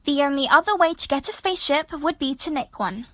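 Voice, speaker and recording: A woman's voice: sits high, lively intonation, brisk, fairly bright tone, dry recording, clean studio sound. A woman playing an exasperated, sceptical young woman in an audio drama, sarcastic and matter-of-fact.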